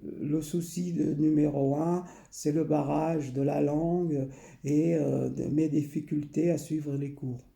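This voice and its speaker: A man, recalling his past slowly and hesitantly, often pausing and repeating himself. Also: on the high side, fairly even intonation, gravelly, warm tone, reverberant. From Portugal. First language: Portuguese. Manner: hesitant, many pauses and repeated phrases. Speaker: memoir narrator. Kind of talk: slow personal recollection.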